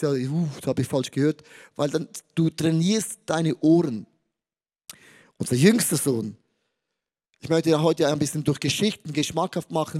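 A man preaching a sermon, telling family stories and acting out the voices in the quotes with big swings in pitch and loudness. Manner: animated, acts out quotes with shifting pitch and loudness. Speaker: pastor. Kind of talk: energetic sermon storytelling.

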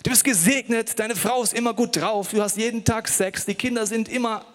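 A man's voice: sits high, a little fast, voice pushed up, lightly acted. A man voicing a gushing, overly upbeat believer who promises that life with God is always easy. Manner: gushing, exaggerated enthusiasm.

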